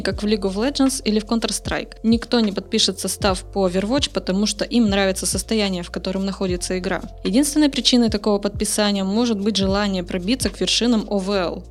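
A woman answering interview questions as a guest, an esports community manager. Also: mid-range voice. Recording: music under the talk. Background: music.

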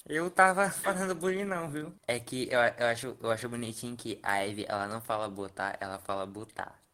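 A man's voice: medium pitch, brisk, bright, forceful tone. A young man hosting a casual podcast over an online call, joking and laughing often. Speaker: podcast host and editor.

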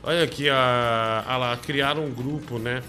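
A man hosting a crude comedy stream, his voice bright and forceful as he jokes and swears at his callers. Faint music plays under his chatter. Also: medium pitch, steady tone, a little slow. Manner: joking, profane, teasing. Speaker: show host. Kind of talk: crude comedy live show chat.

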